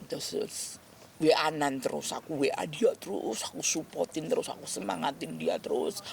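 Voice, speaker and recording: A woman, answering interview questions earnestly and haltingly, often restarting words. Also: low voice, expressive, gravelly, background noise. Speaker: celebrity guest being interviewed. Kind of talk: emotional interview talk.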